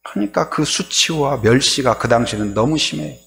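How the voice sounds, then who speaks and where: A man's voice: mid-range voice, moderate pace, vocal fry, slight background noise. A male pastor giving a sermon, telling stories vividly and asking his congregation questions. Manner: lively storytelling, asks the congregation questions. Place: church sanctuary.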